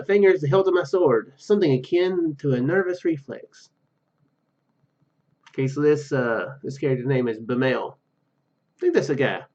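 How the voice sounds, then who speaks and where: Guy doing a casual let's play, voice kinda high and swings around a lot, bit muffled mic. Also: a little mellow. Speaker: gaming video host. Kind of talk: casual let's play commentary, reading game text aloud.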